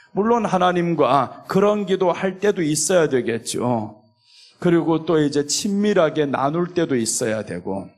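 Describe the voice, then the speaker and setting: Korean pastor preaching with a lively, raised voice. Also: male voice, a little high. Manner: acts out conversational prayers and God's replies in shifting voices. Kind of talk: sermon.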